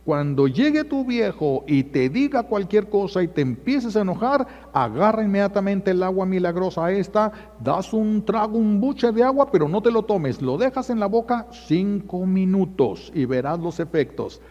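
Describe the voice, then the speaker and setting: A man's voice: high voice, very animated, normal speed, few pauses, a little mellow. A man voicing a wry, kindly old parish priest with a folksy, teasing manner. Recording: echoey muffled church sound.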